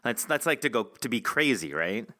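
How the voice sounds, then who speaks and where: A man's voice: mid-range voice, big pitch swings, moderate pace, bright, forceful tone, no room sound, studio quality. A man hosting a casual interview, curious and friendly, laughing easily as he asks questions. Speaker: interview host.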